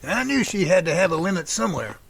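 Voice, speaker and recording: A man's voice: high-pitched, big pitch swings, fast talker, creaky, fairly bright tone, a little hiss or hum, full character voice. A man playing a genial, folksy older professor in an amateur audio drama.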